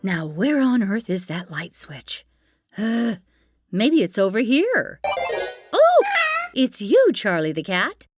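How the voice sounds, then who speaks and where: A woman telling a children's story, gentle and expressive, with startled exclamations. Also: mid-range voice, takes it slowly. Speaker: storyteller host. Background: music.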